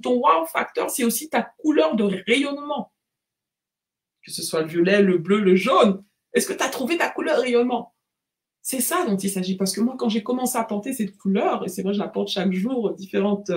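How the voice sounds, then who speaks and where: A French woman, a life coach, giving a lively, animated motivational talk on a live stream and mixing English phrases into her speech. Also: mid-range voice. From France. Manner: lively, repeats words, mixes in English phrases.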